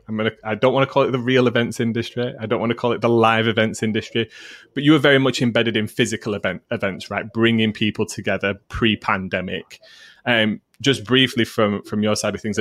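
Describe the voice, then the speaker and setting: A man's voice: lowish voice, fairly even intonation, a little fast, fairly bright tone. A man with a broad Yorkshire accent touched by Mancunian, hosting a talk show in a chatty, informal way. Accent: broad Yorkshire with some Mancunian. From northern England. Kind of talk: conversational interviewing.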